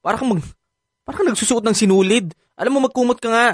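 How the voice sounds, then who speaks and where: A man's voice: very high voice, fast talker, dry recording, clean studio sound. An actor with a Filipino accent playing an exasperated, sassy gay man in an audio romantic comedy.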